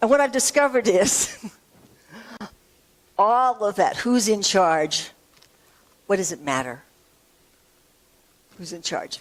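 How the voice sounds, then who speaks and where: A woman at a medium pitch speaks at a fairly slow pace with long, frequent pauses, very wide pitch swings and big swings in loudness. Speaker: minister. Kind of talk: sermon.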